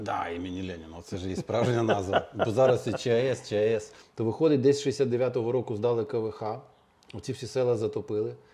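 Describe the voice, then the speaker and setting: A man with a dark, mellow tone speaks fairly quickly at medium pitch, somewhat breathy. His pitch varies in an ordinary way against a quiet background. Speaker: oral history interviewer. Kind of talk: interview questions.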